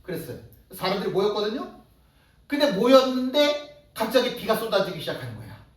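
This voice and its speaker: A male pastor preaching a sermon in a lively way, acting out the voices of ordinary people as he goes. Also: high voice, brisk. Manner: animated, acts out everyday voices in quotes. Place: church sanctuary. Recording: echoey church hall, distant mic.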